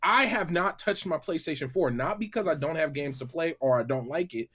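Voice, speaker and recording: A man's voice: fairly high pitch, expressive, brisk, fairly bright tone, slightly rough. A man in a casual gaming podcast chat, emphatic and slangy, often repeating phrases for emphasis. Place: online group call from separate rooms.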